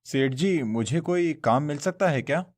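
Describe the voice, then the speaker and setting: This is an earnest, honest young man in a cartoon, short on money and pleading for work, as a man acts him out. The voice sits fairly high for a man. The delivery is sincere and soft-edged. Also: lively intonation, normal speed, natural voice. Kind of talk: Hindi cartoon voice acting.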